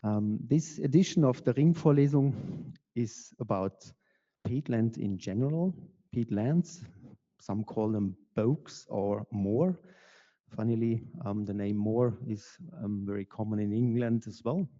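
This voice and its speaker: A man's voice: on the low side, mellow, highs cut off. Hesitant man in a reverberant hall. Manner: halting, many fillers. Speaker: lecture series organizer and moderator. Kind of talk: hesitant spoken introduction. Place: lecture hall.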